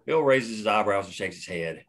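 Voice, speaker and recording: A man's voice: fairly low pitch, animated, normal speed. A man plainly reading the action lines and stage directions at a screenplay table read.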